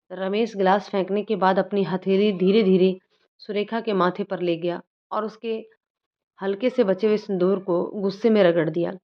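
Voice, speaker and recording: A woman hosting a story channel, reading the narration in a steady storybook manner. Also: mid-range voice. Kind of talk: scripted narration. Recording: dull lo-fi recording.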